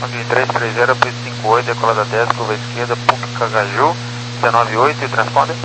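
A man, an airline pilot, reading back clearances in clipped radio phraseology over a two-way aviation radio, through loud static. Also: medium pitch, steady tone, a little fast. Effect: heard over a two-way aviation radio. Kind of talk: air traffic radio exchange.

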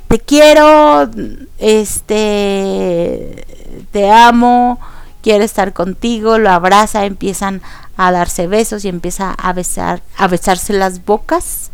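A young woman with a Mexican accent hosting a radio show, excitedly recapping a series in casual chat. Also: medium pitch, creaky, clean tone, no echo. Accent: Mexican Spanish. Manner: expressive, excitable storyteller.

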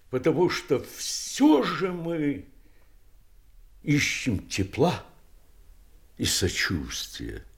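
Elderly doctor, wistful and bitter, very slow, highly animated pitch, halting theatrical monologue, exclamatory. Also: male voice, full character voice. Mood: impassioned, wistful. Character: garrulous wistful old doctor, eighty-six, bitterly reflective. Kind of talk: theatrical audio drama monologue.

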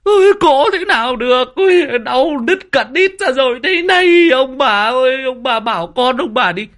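A man's voice: very high voice, lively intonation, normal speed, fairly bright tone, voice pushed up, full character voice. A man voicing a foul-mouthed young village woman screaming curses while in labor. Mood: shrieking, cursing. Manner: shrieking curses.

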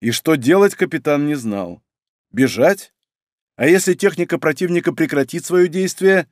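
A man narrating an action audiobook in a steady storytelling manner, with coarse slang mixed in. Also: on the high side, moderate pace, no echo, studio quality.

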